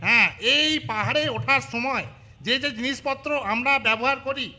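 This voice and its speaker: A man voicing a pompous, rambling mountaineering instructor in a comedy cartoon, lecturing haltingly over music. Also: extremely high pitch, pushed and bright, full character voice. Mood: self-important. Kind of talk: Bengali comedy cartoon dub.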